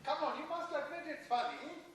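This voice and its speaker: A woman acting an excitable, gushing theatregoer in a dramatised play reading. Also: high-pitched, fairly quick, lightly acted. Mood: amused, delighted. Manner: gushing, breathless enthusiasm. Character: excitable, giggly theatregoer retelling a farce. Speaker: stage actor. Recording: echoey hall, distant mic, faint noise.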